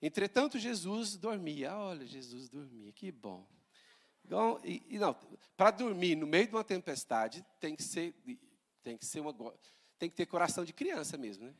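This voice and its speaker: A male pastor, preaching a sermon in a church in an animated, conversational way, with humor and rhetorical questions. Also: fairly high pitch, moderate pace.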